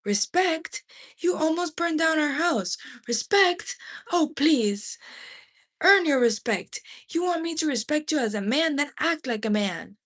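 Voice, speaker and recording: Lady reading a book as a fed up angry mom, high raised voice, scornful, punching every word at her husband. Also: animated, unhurried, fairly bright tone. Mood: furious, defiant. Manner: indignant, emphatic, scornful. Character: furious, defiant mother berating her husband, scornful and loud. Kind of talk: audiobook read-aloud character voice.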